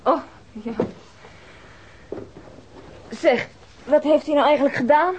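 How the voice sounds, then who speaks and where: An actress playing a pert, unabashed young university student in a radio drama, prim and cheeky. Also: female voice, sits high, slow pace, darkish tone. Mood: curious, flustered. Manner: prim, cheeky, matter-of-fact. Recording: muffled, noisy old radio drama recording.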